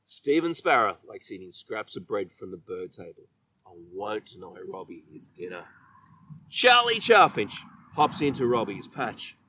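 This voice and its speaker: Male children's storybook reader, bright and expressive, emphatic phrasing, recorded dry and a little off the mic. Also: fairly low pitch, a little slow, far from the mic, a little hiss or hum. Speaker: children's author reading own book.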